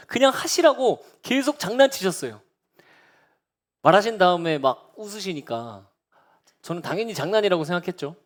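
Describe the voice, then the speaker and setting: Young guy pastor preaching at a prayer meeting, kinda high voice, acts out what people said. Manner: storytelling, quoting others with lively voices; earnest, emotional preaching. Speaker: junior pastor. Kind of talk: sermon at a midweek prayer service.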